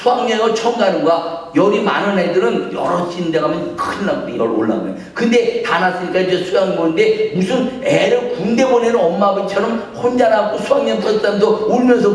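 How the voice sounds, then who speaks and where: A male pastor delivers a sermon in a large church, his voice a little higher than most men and full of swings in pitch. He acts out stories with sudden loud, high voices, then drops into low, quiet asides. The sound rings with heavy echo and comes from a mic some way off. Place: church sanctuary. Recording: echoey church hall, mic at a distance.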